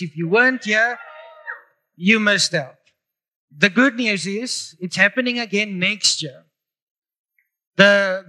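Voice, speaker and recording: A man's voice: high-pitched, bright, forceful tone, poor audio. A middle-aged man with a South African English accent, preaching a sermon in church, moving from prayer to chatty, upbeat talk with the congregation. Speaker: pastor. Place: church hall.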